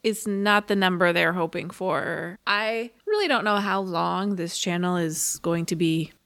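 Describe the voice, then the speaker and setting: A woman co-hosting a casual podcast, speaking in a calm, measured way and laying out figures matter-of-factly. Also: on the low side. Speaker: podcast co-host. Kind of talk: casual chat.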